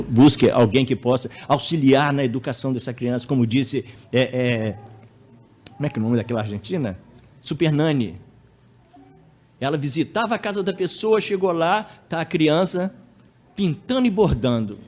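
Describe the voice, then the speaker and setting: A man's voice: medium pitch, darkish tone. Conversational male lecturer acting out stories. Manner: conversational, tag questions, acts out anecdotes. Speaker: lecturer at a spiritist center. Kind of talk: public lecture.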